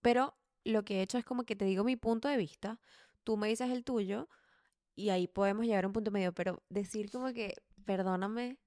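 A woman's voice: mid-range voice, fairly even intonation, fairly quick, a little mellow, dry recording, clean studio sound. A young Venezuelan woman co-hosting a podcast, speaking in a blunt, opinionated, casual way and laughing often. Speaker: podcast co-host. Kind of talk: casual chat.

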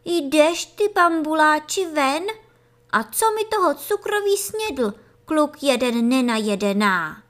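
A woman voicing a cross, bossy female bee in a children's storybook, scolding loudly in a sharp, indignant tone. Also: high voice, lively intonation, voice pushed up.

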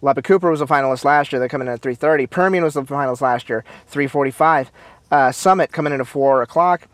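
A man hosting a casual talk show, chatty and upbeat, with many fillers, restarts and quick asides. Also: mid-range voice, no room sound. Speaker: host. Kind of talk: casual chat about marching bands.

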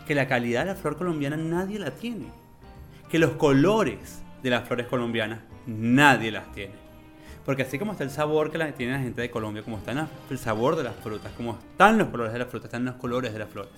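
Man, mid pitch, gushing interview storyteller, faint music behind. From Venezuela. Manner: enthusiastic, animated, drawn-out emphasis. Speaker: interview guest, florist. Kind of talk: conversational storytelling.

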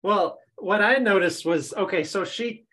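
A man's voice: high-pitched, unhurried, sharp tone. A man guesting on a podcast who chats casually about a cartoon, with wry jokes and frequent laughter. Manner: joking and wry, often laughing. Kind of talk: casual chat recapping a cartoon episode.

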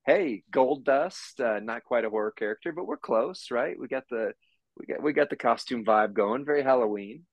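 A man's voice: medium pitch, animated, moderate pace, no echo. Male podcast host, friendly and casual, dry recording. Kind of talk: casual chat.

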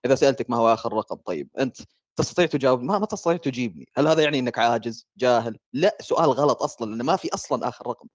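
A man's voice: medium pitch, lively intonation, rapid-fire, no echo, studio quality. A man in a casual online debate, explaining his point step by step.

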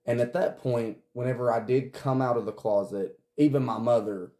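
A man's voice: medium pitch, moderate pace, a little mellow. A man in his twenties co-hosting a podcast and talking casually about his own life. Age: 20s. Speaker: podcast co-host. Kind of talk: casual personal chat.

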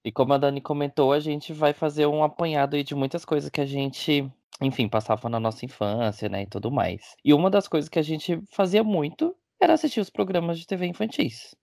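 Gravelly, teasing podcast co-host man. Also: a little high, a little fast, few pauses, a little mellow, no room sound, clean studio sound. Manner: teasing, camp, playful asides. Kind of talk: casual chat.

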